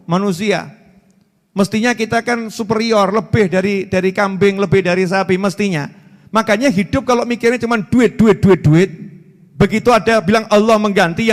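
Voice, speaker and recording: A man in his forties with a Javanese accent, preaching an animated sermon and repeating words for emphasis. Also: high-pitched. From Solo, Indonesia. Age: 40s. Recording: reverberant hall.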